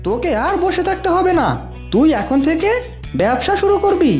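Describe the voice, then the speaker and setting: A woman's voice: extremely high pitch, sing-song, moderate pace, darkish tone, heavily acted. A woman voicing a helpful male fox friend who gives advice in a cartoon, on a dull recording over music. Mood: concerned, advising. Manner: inquiring, advising.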